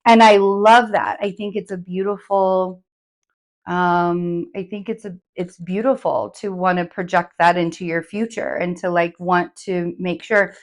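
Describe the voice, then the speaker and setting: A hoarse woman giving a casual, chatty tarot forecast, rambling with many fillers as she recovers from laryngitis. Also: fairly low pitch, fairly even intonation, a little slow. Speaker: tarot reader.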